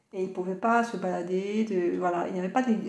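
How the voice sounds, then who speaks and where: A woman with a medium pitch talks at a fairly quick pace, with ordinary pitch variation. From Poland, German border area. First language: Polish (speaking French). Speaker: translator. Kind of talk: interview. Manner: halting, many repetitions.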